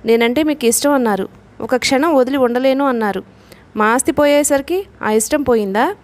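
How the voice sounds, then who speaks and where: A young bride in a storybook , voiced by a woman reader. She pleads gently and keeps her temper in check. The voice is fairly high. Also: moderate pace, close to an everyday voice. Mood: pleading. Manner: soft, restrained pleading.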